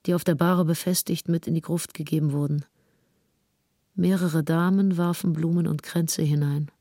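An actress playing a grieving 19th-century woman, reading a written recollection in a measured, formal, sober way. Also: low-pitched, warm tone, dry recording, studio quality. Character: grieving 19th-century woman recounting her companion's death in writing. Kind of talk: scripted literary reading.

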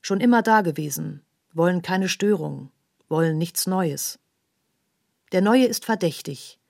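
An actress performing an outsider's literary radio monologue in short, incantatory, repeated phrases. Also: female voice, fairly low pitch, expressive, unhurried, vocal fry, darkish tone, dry recording, clean studio sound. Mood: bitter, defiant.

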